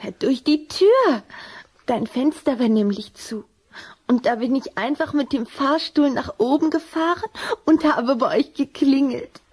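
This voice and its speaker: A bold little vampire girl in a children's audio drama. The voice is high and girlish, eager and full of affection. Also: lively intonation, unhurried, a little mellow. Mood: eager, affectionate.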